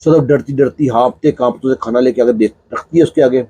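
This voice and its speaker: A man's voice: mid-range voice, dark tone, breathy edge, dry recording. A man narrating a family tale in a casual, conversational way, full of little fillers. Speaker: storyteller. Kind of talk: casual spoken storytelling.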